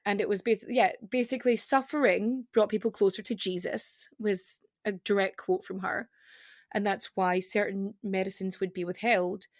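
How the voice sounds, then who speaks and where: A woman guest with a regional accent on a podcast, chatting casually and rapidly, cutting herself off with fillers. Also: medium pitch, fairly even intonation, dry recording, studio quality. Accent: non-standard regional accent. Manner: rapid, self-interrupting, with frequent fillers.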